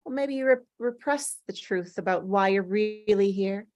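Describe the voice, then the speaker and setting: A woman's voice: medium pitch, normal speed, a little mellow, dry recording, close to an everyday voice. A woman playing an eerie, coyly innocent woman in white who needles and probes, in a scripted table read. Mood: probing, knowing.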